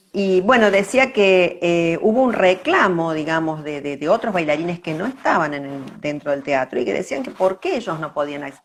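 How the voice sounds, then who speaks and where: Older female interview guest, Argentine accent, lowish pitch. Reflective, conversational storytelling with searching repeats; audible background noise. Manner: reflective, pauses and repeats words.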